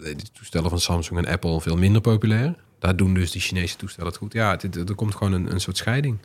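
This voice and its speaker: A man's voice: low-pitched, fast. A man hosting a podcast, chatting casually about technology. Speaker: podcast host. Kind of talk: casual tech podcast chat.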